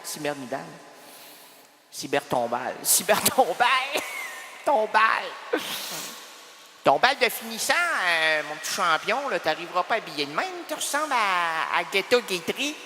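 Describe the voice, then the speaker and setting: A man's voice: high voice, very animated, normal speed, sharp tone, in a large hall, a little hiss or hum. A man with a Quebec French accent hosting a radio show in a rambling comic monologue, full of teasing wordplay and repeated phrases. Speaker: radio host.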